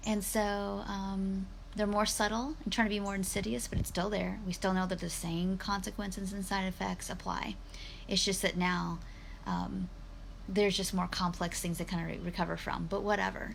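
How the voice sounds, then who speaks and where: Audible room echo follows a woman who talks at a moderate pace. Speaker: dietitian. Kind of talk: casual vlog talk. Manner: soft-spoken.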